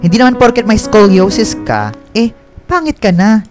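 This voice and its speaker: A man's voice: sits high, sing-song. A man playing a flamboyant gay young best friend in a radio drama, with a campy, theatrical way of talking. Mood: playful flattery. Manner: campy, dramatic, drawn-out shrieks and English interjections. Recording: music bed behind the voice.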